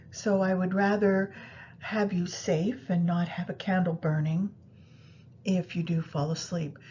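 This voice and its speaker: A woman guiding a meditation practice in a soothing, unhurried manner, pausing between phrases. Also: warm tone. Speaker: yoga nidra meditation guide. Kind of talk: guided meditation instruction. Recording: muffled, low rumbling background noise.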